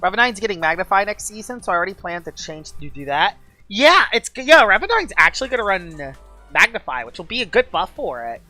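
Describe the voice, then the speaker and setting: Woman streamer, gushing and chatty; animated delivery, dry close sound. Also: mid-range voice, fairly quick, dry recording, faint music behind. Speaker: game streamer. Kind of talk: casual live-stream chat.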